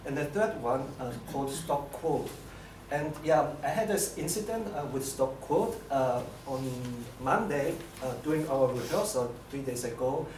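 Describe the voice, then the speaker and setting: A man's voice: a little high, darkish tone. Echoey, distant Austrian-accented man presenting. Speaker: bootcamp graduate presenting a project. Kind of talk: live technical presentation. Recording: echoey room, distant mic, noisy.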